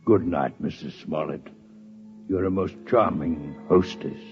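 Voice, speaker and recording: An actor playing a scholarly six-legged alien doctor in a radio drama, speaking formally and precisely, courteous and intensely curious, with a husky voice. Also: male voice, a bass voice, faint music behind. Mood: polite wonder. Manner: formal, measured, precise diction. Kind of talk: 1950s radio drama acting. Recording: muffled old radio broadcast recording.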